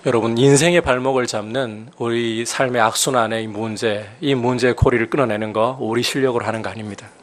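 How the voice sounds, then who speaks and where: A man's voice: medium pitch, fairly even intonation, a little fast, few pauses. A male pastor preaching a sermon, explaining scripture and building to emphatic, raised peaks.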